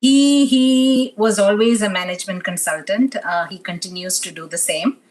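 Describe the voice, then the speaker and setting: A woman's voice: mid-range voice, moderate pace, rough recording. A woman in her fifties from Tanzania, talking about her life as an interview guest, with many fillers. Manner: soft-spoken, many fillers. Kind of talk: interview chat.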